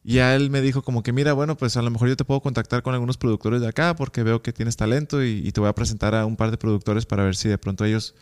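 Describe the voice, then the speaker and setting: A man's voice: medium pitch, fast, few pauses, clean tone. A young Mexican man with a Mexican accent, a guest telling a personal story in a casual interview and acting out the dialogue. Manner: animated, acts out quoted dialogue.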